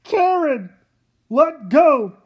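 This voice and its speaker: A woman voicing an earnest father in a comic read-aloud, with her voice lowered. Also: sing-song, drawn-out words, exaggerated voice. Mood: desperate. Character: adult father, easygoing then desperate.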